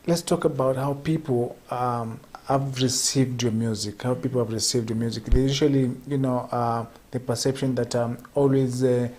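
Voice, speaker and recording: A man's voice: mid-range voice, fairly even intonation, moderate pace, few pauses, darkish tone. A man from Kenya hosting a morning show, interviewing a guest in a hesitant way with many fillers. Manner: hesitant, many fillers, frequent back-channel murmurs.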